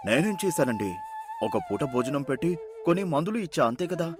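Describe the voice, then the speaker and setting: A man's voice: fairly high pitch, very animated, brisk, over music. A man voicing a kindhearted, earnest village thief in an acted moral story. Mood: caring insistence. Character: kindhearted village thief, orphaned, plain-spoken and caring. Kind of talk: story voice acting.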